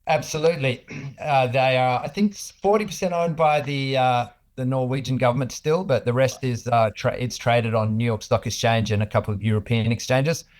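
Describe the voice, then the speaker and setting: A man's voice: mid-range voice, fairly even intonation, moderate pace, hardly any pauses. A man with an Australian accent speaking as an executive guest in an informal business interview, explaining things in a hesitant, conversational way.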